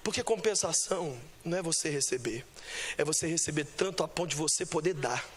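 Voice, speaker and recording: A middle-aged man from Brazil preaching a sermon, telling stories with big swings of pitch and acting out other voices. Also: fairly quick, a crowd in the background, background noise. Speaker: pastor.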